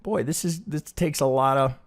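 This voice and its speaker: A man's voice: fairly high pitch, moderate pace. Middle-aged man thinking aloud as he teaches. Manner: conversational, often tags sentences with "right?". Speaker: trading educator and video host. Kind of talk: informal live chart analysis, thinking aloud.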